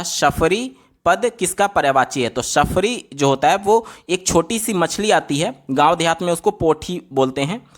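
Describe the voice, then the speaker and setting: Male exam tutor, raised pitch, voice-over walkthrough that repeats each answer. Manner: asks and answers his own questions, repeats answers.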